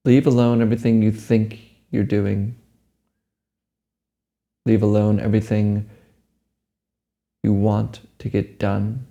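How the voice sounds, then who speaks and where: A man leading a guided meditation, giving gentle, unhurried instructions. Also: fairly low pitch, little pitch movement, gravelly.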